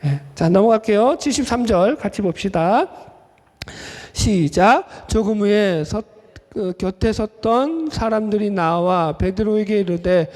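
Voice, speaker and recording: A man's voice: sits high, expressive, measured pace, a little mellow. A man pastor giving an expository sermon in a conversational way, often asking the congregation questions. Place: church sanctuary. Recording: long church hall reverb.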